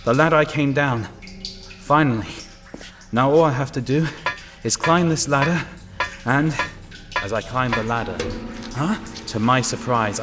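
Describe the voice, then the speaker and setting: A man's voice: medium pitch, lightly acted. A man playing a wary lone inspector who narrates and acts out his ordeal in an audio drama, tense and dramatic. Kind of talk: first-person audio drama narration and acting.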